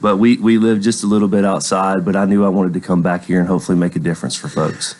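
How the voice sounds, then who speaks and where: A man's voice: low-pitched, fairly even intonation, fast, darkish tone. A man from Tennessee, explaining his work as a guest attorney in a polite, earnest, conversational way. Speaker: elder law attorney, interview guest. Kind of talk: conversational radio interview.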